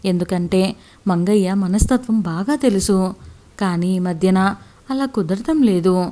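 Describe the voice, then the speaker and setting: A woman's voice: medium pitch, measured pace, warm tone. A woman narrating a village story steadily as a storyteller.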